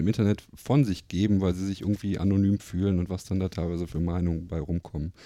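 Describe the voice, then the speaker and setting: Very deep, low male voice with a dark, mellow tone, fairly even intonation and a fairly quick pace, on a very clean recording with a silent background. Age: 30s. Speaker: social worker. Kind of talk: podcast panel discussion.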